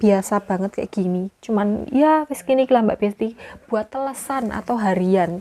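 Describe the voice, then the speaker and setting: A soft-spoken woman talks at a moderate pace with medium pitch and ordinary pitch variation. Noticeable background noise runs underneath. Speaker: migrant domestic worker vlogger. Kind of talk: casual vlog talk. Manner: quiet, speaking softly.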